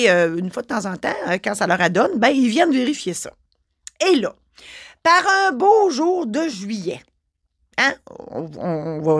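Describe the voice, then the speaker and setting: A woman with a Québécois accent, a notary hosting her own podcast, telling a story casually with lively expression and frequent fillers. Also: mid-range voice, no room sound, clean studio sound. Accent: Québécois French.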